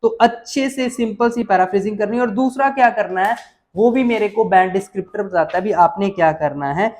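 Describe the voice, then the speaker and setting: A man's voice: sits high, fairly quick, darkish tone. A man teaching exam essay writing, walking students through examples and repeating his warnings with emphasis. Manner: emphatic, repeats warnings, addresses viewers as kids. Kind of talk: explaining on-screen examples to students.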